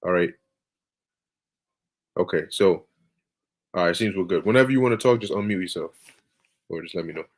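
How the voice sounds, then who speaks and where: A man's voice: deep voice, moderate pace, long pauses. A man preaching on scripture over a video call, emphatic and peppered with "all right" and "okay".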